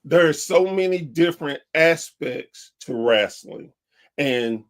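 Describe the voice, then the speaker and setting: A man hosting a podcast, praising his guest with many halting restarts. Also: on the high side. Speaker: podcast host. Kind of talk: casual interview talk.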